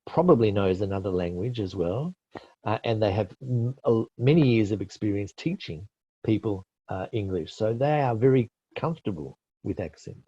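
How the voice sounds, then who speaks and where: A man's voice: on the low side, expressive, normal speed, dark tone, husky, dry recording. A middle-aged Australian man giving IELTS tips in a webinar, explaining patiently and correcting himself with many fillers. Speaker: IELTS expert presenter. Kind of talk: webinar teaching with answers to questions. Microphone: webinar call mic. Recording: dull lo-fi webinar audio.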